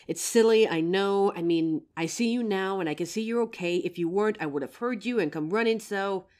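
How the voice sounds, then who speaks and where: A woman's voice: on the low side, a little mellow, lightly acted. A young woman voicing an anxious, protective female werewolf who stammers and sighs as she talks to her partner. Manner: hesitant, stammering, sighing often. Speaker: voice actor in audio roleplay. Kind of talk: audio roleplay for a listener.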